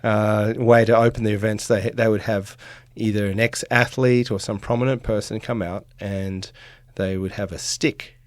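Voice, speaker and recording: A man's voice: on the low side, fairly even intonation, normal speed, hardly any pauses, dry recording. A middle-aged man from Australia, a sports reporter talking casually on a podcast, with many fillers and restarts.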